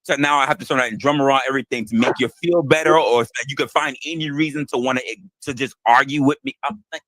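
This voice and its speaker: A man rattles off a defiant, profane stream monologue. He talks fast, and his voice sounds bright and dry on the mic. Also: medium pitch, no echo, low-quality recording. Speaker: streamer in played clip.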